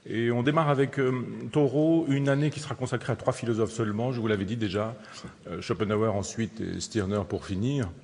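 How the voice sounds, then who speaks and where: A man delivers a public lecture in a low, husky voice, stopping often on fillers and restarting his sentences as he thinks aloud. His voice carries the long reverb of a lecture hall. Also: a little mellow. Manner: hesitant, full of "euh" fillers and restarts.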